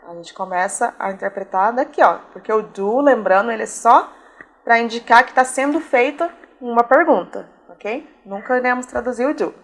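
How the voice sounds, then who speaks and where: A Brazilian woman who speaks Portuguese natively, patiently explaining a beginner English lesson and slowing down for model sentences. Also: fairly high pitch. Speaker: English teacher.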